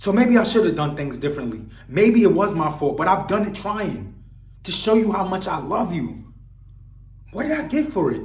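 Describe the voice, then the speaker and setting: A man talks at a moderate pace with audible room echo. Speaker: actor performing a monologue. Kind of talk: dramatic acting monologue. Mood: hurt, frustrated, pleading. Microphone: camera far.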